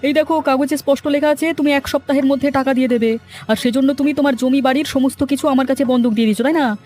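A man's voice: very high-pitched, steady tone, fast, darkish tone, soft background music. A man voicing a greedy, scheming cartoon land broker, pushy and threatening. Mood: threatening, bullying. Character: scheming, greedy male land broker who bullies villagers. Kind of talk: dramatic cartoon voice acting.

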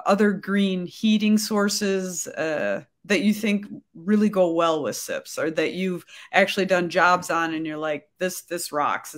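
An older woman hosting a webinar interview over a video call in a conversational style. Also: fairly low pitch. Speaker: webinar host, realtor.

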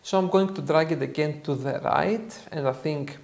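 Young Greek-accented male tutor, earnest and methodical, talks through each step with short pauses. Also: fairly high pitch, creaky, a little mellow. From Greece. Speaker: photo editing tutor. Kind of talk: software tutorial narration. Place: dark studio indoors.

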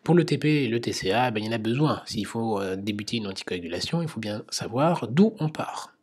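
Husky man teaching a medical quiz. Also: fairly low pitch, lively intonation, a little fast, a little mellow. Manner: explanatory, many hesitations. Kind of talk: quiz-style medical lecture.

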